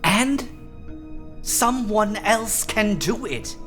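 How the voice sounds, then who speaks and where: A woman playing a loyal, excitable but pragmatic scientist's assistant in an audio drama. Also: mid-range voice, very slow, faint music behind. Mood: pleading, persuasive. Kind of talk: audio fiction drama acting.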